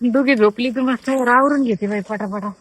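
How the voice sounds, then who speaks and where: Young woman, rural Marathi accent, high voice, grumbling to herself, talking to animals, close dry sound. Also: moderate pace, husky, no echo, low-quality recording. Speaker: farm housewife vlogger. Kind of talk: casual monologue during chores. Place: rural farmyard outdoors with goats.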